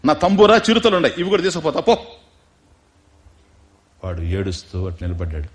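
A man's voice: a little high, wildly swooping pitch. A man giving a religious discourse, telling a devotional story, asking his listeners questions and acting out the characters' lines. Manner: slows down for emphasis, chants Sanskrit verses. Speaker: spiritual discourse speaker.

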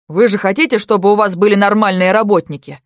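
A woman voicing a calm young man acting as interpreter, speaking in a steady, reassuring, matter-of-fact way. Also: mid-range voice, quick pace, dry recording, clean studio sound, close to an everyday voice. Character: calm young man, tall and thin, quick-witted interpreter.

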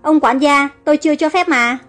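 A woman voicing a smooth-talking, slightly sly rich young man in a storybook reading. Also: high-pitched, brisk, a bit bright, faint music behind. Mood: contrite.

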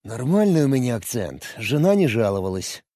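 A man voicing a reserved, guarded engineer on a space station, speaking quietly in a husky voice. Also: mid-range voice, sing-song, moderate pace, no room sound, studio quality.

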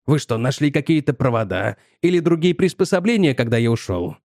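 A man's voice: mid-range voice, brisk, no echo, clean studio sound. A man doing a cool, evasive young scientist. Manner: calm, coolly dismissive, polite "sir".

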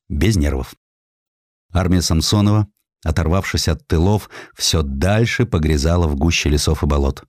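Deep-voiced male narrator, dry studio sound. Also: darkish tone, no echo. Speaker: audiobook narrator. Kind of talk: dramatic scripted narration of historical prose.

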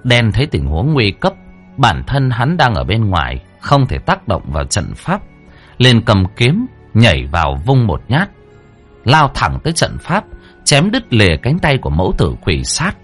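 A man's voice: mid-range voice, huge pitch swings, a little slow, fairly bright tone, faint music behind. A man narrating a horror story dramatically.

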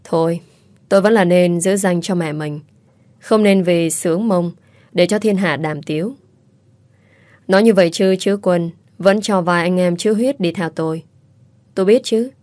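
Calm low-voiced woman narrating. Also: moderate pace, long pauses, dry recording. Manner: calm, reflective, steady reading. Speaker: audiobook narrator. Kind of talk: first-person story narration.

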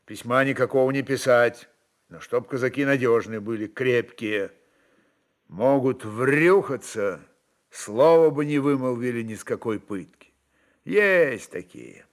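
Male reader as burdened Cossack chieftain, slow delivery, expressive pitch, rustic dialect, commanding, wary, audiobook drama. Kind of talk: dramatized literary reading.

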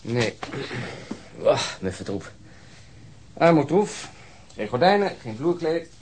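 An actor playing a practical, dryly sardonic police detective with a clipped manner, in a radio drama. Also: male voice, on the high side, sing-song, slow, background noise. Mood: matter-of-fact. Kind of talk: Dutch radio crime drama acting.

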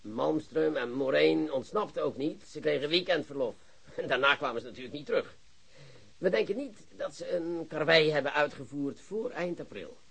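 An actor playing an excitable, boastful police chief who lectures his colleagues in a radio play. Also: a little high, moderate pace, vocal fry, breathy edge, heavily acted. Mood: excited, lecturing. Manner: animated, theatrical, lecturing colleagues. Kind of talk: Dutch radio drama acting.

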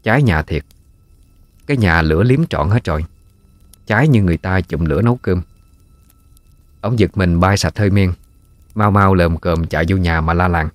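A man with a Southern Vietnamese accent narrating a ghost story in a folksy, unhurried way. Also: sits low, no room sound.

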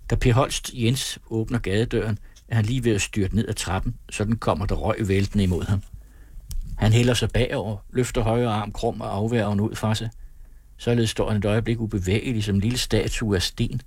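A man reading a novel aloud as an audiobook narrator, calm and measured in his storytelling. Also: on the low side, breathy edge, no echo. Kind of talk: scripted narration.

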